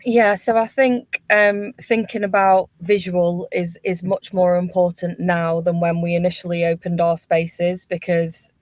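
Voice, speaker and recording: Woman on a webinar panel, pretty flat delivery, dry close sound, considered answers. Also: lowish voice, a little slow, few pauses, dry recording.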